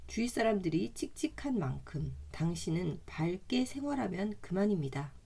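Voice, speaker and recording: A woman reading a self-help book aloud in a calm, measured way, adding chatty side comments, her throat slightly hoarse today. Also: on the low side.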